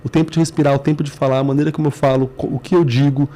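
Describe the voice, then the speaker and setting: In an explanatory interview, a male business management CEO with a Brazilian accent speaks rapid-fire in a fairly high, mellow voice, keeping his tone level. His points come out earnestly as short phrases stacked one after another.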